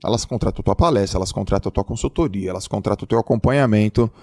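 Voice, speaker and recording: Gravelly, husky man, emphatic host. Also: on the low side, fast talker. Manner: emphatic, animated storytelling. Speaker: podcast host. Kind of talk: casual conversation.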